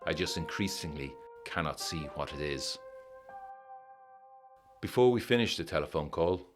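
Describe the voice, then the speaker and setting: A man playing a haunted 1920s war veteran, reading his letter aloud in a brooding, measured way for a gothic audio drama. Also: rumbling low, expressive, music in the background. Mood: uneasy, haunted.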